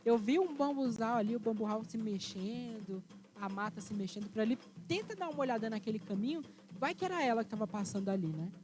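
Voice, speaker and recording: A woman storyteller voicing a calm, sly male trickster spirit who soothes and teases. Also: fairly high pitch, fast, close to an everyday voice. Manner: soothing, teasing.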